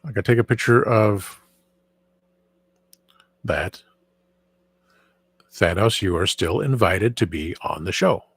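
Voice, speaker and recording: A man's voice: on the low side, animated, moderate pace, few pauses, husky, no echo. A man hosting his own channel in casual, rambling chat, often restarting sentences and trailing off into asides. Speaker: channel host.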